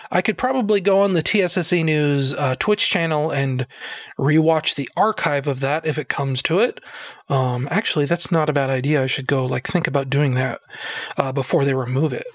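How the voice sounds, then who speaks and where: A man's voice: a little high, no echo. A man hosting a casual solo podcast, rambling with lots of fillers and joking at his own expense, his throat a bit phlegmy and nasal. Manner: rambling, filler-heavy, self-deprecating joking. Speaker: podcast host.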